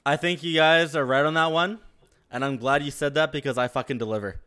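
A man's voice: fairly high pitch, fairly even intonation, a little fast, pushed and bright, clean tone. A man on a casual comedy podcast, sheepish and defensive, swearing often while his friends roast him. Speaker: podcast host.

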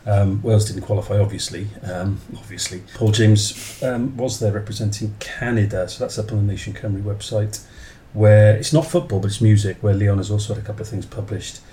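A man's voice: on the low side, fairly even intonation, fairly quick, hardly any pauses, mellow, slight background noise. A man in his forties hosting a podcast in a casual, rambling way, often correcting himself as he goes. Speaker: podcast host. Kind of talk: casual chat, podcast introduction.

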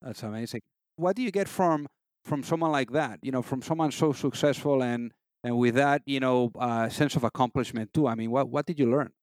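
A man's voice: mid-range voice, fairly quick, darkish tone, no echo. A man hosting an interview podcast, rambling a little with lots of fillers and restarts. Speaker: podcast host.

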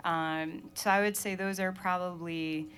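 A woman's voice: lowish voice, fairly even intonation, measured pace, fairly bright tone, slight background noise. A young adult woman from Maine, a musician chatting casually in an interview, laughing often and filling her talk with "like" and "um". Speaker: musician guest.

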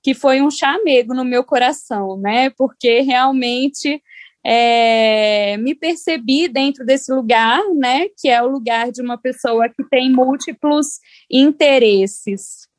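A woman's voice: high voice, slow, dry recording, studio quality. A woman from Brazil with a Brazilian accent, chatting casually as an interview guest and often seeking agreement. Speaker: podcast guest.

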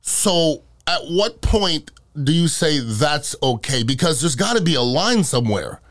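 A man's voice: a little high, big pitch swings, measured pace, a bit bright. A middle-aged man chatting casually and telling comic stories, blunt and emphatic, often repeating himself to drive a point home. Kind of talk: casual comic chat and storytelling.

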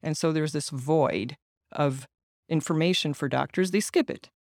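A middle-aged man whose first language is Ukrainian talks earnestly through his answers, restarting sentences as he goes. His voice sits a little high for a man. The sound is dry and close. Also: normal speed, gravelly, no echo. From United States, Ukrainian American family. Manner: earnest, explanatory, frequent restarts. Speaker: guest, patient advocate and author. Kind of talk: interview answers.

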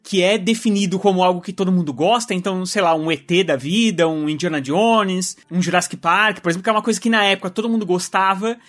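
A man's voice: high voice, fast, hardly any pauses, a bit bright. A man with a Brazilian Portuguese accent discussing films casually, explaining his points in informal, slangy speech. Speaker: podcast panelist.

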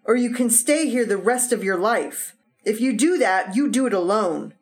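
An actress playing an anxious, devoted young wife in a vintage radio drama, speaking earnestly with frequent stammers. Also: female voice, a little high, animated, moderate pace, close to an everyday voice. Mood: pleading firm. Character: devoted wife of a heart patient. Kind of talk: 1950s radio drama acting.

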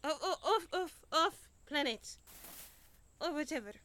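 A woman's voice: high voice, a little slow, dry recording, voice pushed down, full character voice. A woman voicing an exasperated young woman trying to get someone off her bed. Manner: exasperated, animated.

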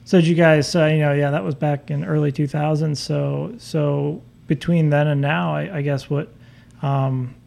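A man's voice: on the high side, fairly even intonation, normal speed, creaky, darkish tone. A man co-hosting a local food podcast, rambling a bit with lots of "you know" as he talks. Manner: rambling, many fillers and restarts. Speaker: podcast co-host. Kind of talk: casual podcast chat.

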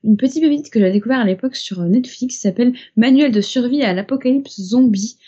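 A woman's voice: a little high, quick pace, mellow, breathy edge. A woman co-hosting a podcast, chatting playfully with lots of fillers. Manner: playful, filler-heavy recommending. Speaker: podcast co-host. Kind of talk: casual chat. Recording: slightly dull lo-fi sound.

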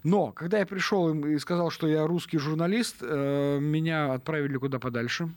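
Man correspondent on radio, halting speech, dry studio sound. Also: a little high, steady tone, no echo. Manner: hesitant, many fillers and restarts. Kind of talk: casual radio conversation.

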